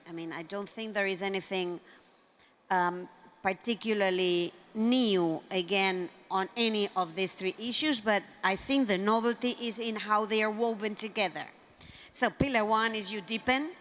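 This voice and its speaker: A woman speaking on a conference panel, measured, with frequent fillers and restarts. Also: medium pitch, fairly bright tone. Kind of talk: panel discussion remarks. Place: conference hall.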